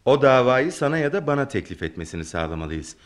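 A man's voice: mid-range voice, sing-song, quick pace, close to an everyday voice. A man acting a controlling, ambitious lawyer fiancé, self-assured and emphatic, in old-style radio theatre. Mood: insistent.

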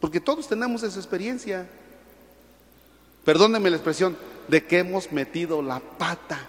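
A man, a priest, giving a Catholic homily slowly, swinging from loud emphasis to soft near-whispers. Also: high voice. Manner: acts out little dialogues with a confessing parishioner. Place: church. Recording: long church reverb.

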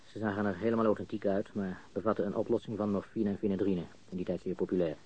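A man's voice: on the low side, steady tone, fast talker, warm tone, breathy edge, highs cut off. An actor playing an agitated prisoner who protests his innocence, pleading and stammering in a radio crime drama. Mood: subdued, confiding.

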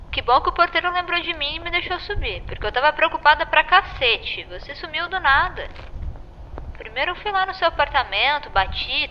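A woman's voice: high-pitched, sharp tone, in a large hall, dull audio, heavily acted. An actress playing a worried young woman who rambles nervously.

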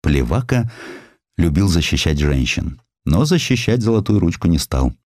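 A man narrates history in a very low voice with lively, theatrical swings of intonation. The sound is dry and studio-close, and the delivery is scripted and expressive. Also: moderate pace, dry recording. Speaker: audiobook narrator.

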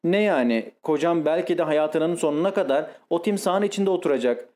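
Man reading a capricious young wife, exclaiming, self-pitying, slightly high voice, audiobook. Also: brisk, darkish tone, lightly acted. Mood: petulant.

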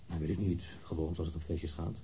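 A man's voice: low-pitched, steady tone, a little fast, mellow, breathy edge, heavily acted. An actor playing a guarded, reluctant engineer in his thirties being questioned in a radio drama, answering curtly and somewhat irritably. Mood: guarded, matter-of-fact. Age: 30s.

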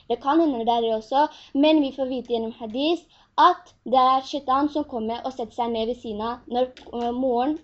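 High-voiced woman teaching a religious class. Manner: earnest, asks the class questions. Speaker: Quran teacher. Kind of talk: religious lesson in Norwegian. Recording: dull lo-fi recording.

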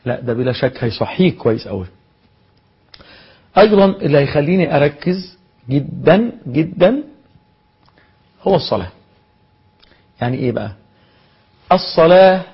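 A man with an Egyptian Arabic accent giving a spoken lesson as a Quran memorization teacher, lecturing in a lively way with rhetorical questions. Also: mid-range voice, fairly quick, pauses often, breathy edge. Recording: dull lo-fi recording.

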